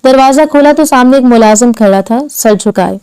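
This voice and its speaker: Brief: female audiobook narrator, soft measured delivery, mellow tone, slightly high. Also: smooth, low-quality recording.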